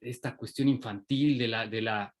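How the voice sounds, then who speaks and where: A man's voice: medium pitch, steady tone, moderate pace. A man with a Mexican accent gives an informal talk about his work, hesitating often and restarting his sentences. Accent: Mexican Spanish. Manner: hesitant, many restarts and fillers. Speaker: invited puppeteer speaker.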